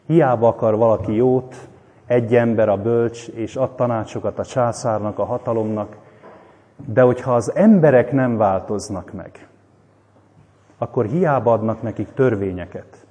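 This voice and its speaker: A man's voice: mid-range voice, dark tone. A male preacher giving an earnest, explanatory sermon commentary. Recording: long hall reverb.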